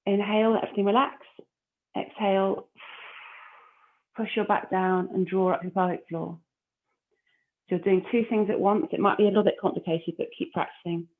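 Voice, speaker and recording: Casting: female fitness instructor, calm encouraging cues, mid-pitched, tinny phone-quality sound. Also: fairly quick, pauses often. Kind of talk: guiding an exercise class. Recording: phone-like narrow audio.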